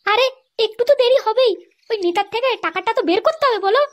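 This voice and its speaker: A woman voicing a sly, scheming young cartoon wife, brazen and coaxing, in a squeaky processed voice. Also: animated, fast talker.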